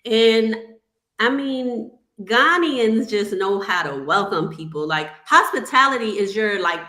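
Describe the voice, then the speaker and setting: Woman, host, enthusiastic, chatty, bright tone, roomy echo. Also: a little high, lively intonation, measured pace. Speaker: podcast host. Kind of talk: upbeat interview hosting.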